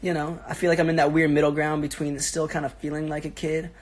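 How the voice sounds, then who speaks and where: A young man in his twenties with a raspy, sick-sounding voice, chatting casually and answering fans on a phone livestream from his bedroom. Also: on the high side, little pitch movement, fast talker. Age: 20s. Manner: laid-back, rambling, slangy, answering fans. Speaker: social media personality on a livestream. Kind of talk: casual livestream chat reading comments. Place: bedroom at home.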